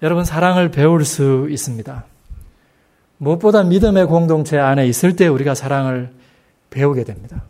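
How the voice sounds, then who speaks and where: A middle-aged man preaching a sermon in a church, speaking slowly and emphatically and asking the congregation rhetorical questions. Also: a little high, darkish tone. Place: church sanctuary.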